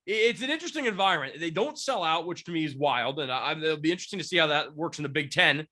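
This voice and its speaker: A man's voice: a little high, lively intonation, fast talker, pushed and bright. A man in his twenties, congested from a cold, hosting a casual sports podcast and rambling with lots of fillers and restarts. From Washington State, near Seattle. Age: 20s. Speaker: podcast host, sports beat writer.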